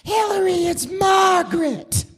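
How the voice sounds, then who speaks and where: A woman playing a gossipy, nosy 1960s housewife neighbor in a staged radio play parody, loud and gushing. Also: very high-pitched, slow.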